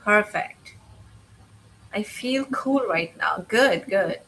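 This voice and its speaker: A woman voicing a guest's signed answers in an interview. She speaks slowly, pausing with uh between phrases. Faint ambient noise sits behind her. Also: mid-range voice, expressive, a bit bright, low-quality recording.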